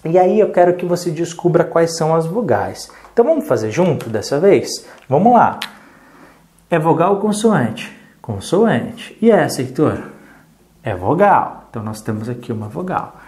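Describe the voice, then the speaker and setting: A Brazilian teacher giving a slow, patient adult literacy lesson, counting letters aloud and checking in often. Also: mid-range voice, sing-song, a little mellow. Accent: Brazilian Portuguese.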